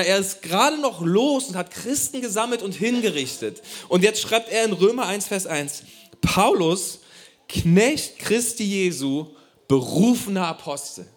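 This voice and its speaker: Delivering a sermon to a congregation, a male pastor with a fairly high voice preaches with animation. He addresses his listeners directly and often asks them questions.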